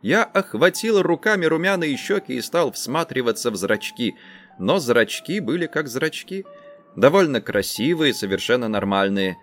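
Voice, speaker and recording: A man reading a literary story aloud as an audiobook narrator, in an expressive and dramatic way. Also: medium pitch, moderate pace, soft background music.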